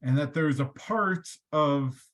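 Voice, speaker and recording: A man teaching a study group, explaining texts in a lively, conversational way. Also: a little high, slow.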